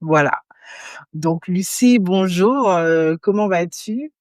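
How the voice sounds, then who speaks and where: A woman's voice: lowish voice, slow, darkish tone, no echo, studio quality. Upbeat woman podcast host. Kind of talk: scripted podcast intro then interview.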